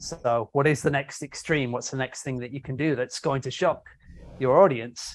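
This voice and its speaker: With a Yorkshire accent, a man talks at a moderate pace, his fairly high voice carrying fairly even intonation. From northern England, North Yorkshire. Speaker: horror author. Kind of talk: casual interview chat.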